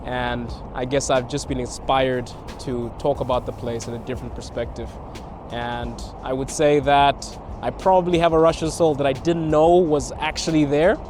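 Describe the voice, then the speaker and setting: A man from Botswana, a guest content creator, answers interview questions outdoors in a city park, with background noise. His medium-pitched voice is reflective, and he laughs between thoughts.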